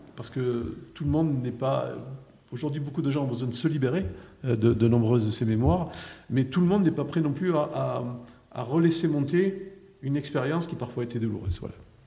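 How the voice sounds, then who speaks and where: A man of medium pitch speaks at a fairly quick pace with lively intonation. Long, frequent pauses and audible room echo fill the clip. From southwest France, Tarbes. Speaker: hypnotherapist and stage hypnotist. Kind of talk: radio interview. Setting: radio studio.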